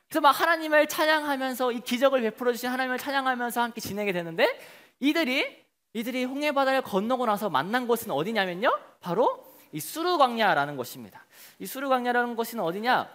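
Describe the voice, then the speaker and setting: A preacher giving a children's sermon, telling a story and acting out the crowd's voices with lots of questions to the kids. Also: male voice, very high voice. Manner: lively, sing-song, calls out to children.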